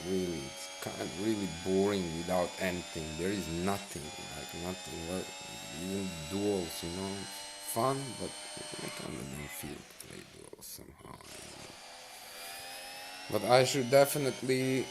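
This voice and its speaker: A man's voice: low-pitched, expressive, moderate pace, vocal fry, very noisy. A man giving casual, rambling commentary while playing a racing game, full of fillers and restarts. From Bosnia and Herzegovina. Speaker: mobile racing game streamer.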